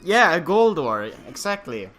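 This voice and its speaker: A man's voice: fairly high pitch, sing-song, measured pace, a bit bright. A man co-hosting a let's play, hesitant and searching for words. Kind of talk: casual game commentary. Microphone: home mic over internet call.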